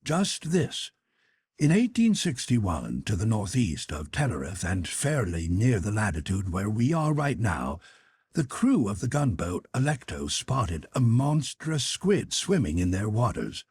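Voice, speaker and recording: Very husky male audiobook narrator. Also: on the low side, sing-song, darkish tone, dry recording. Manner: measured, expository, storytelling. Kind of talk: scripted literary narration in first person.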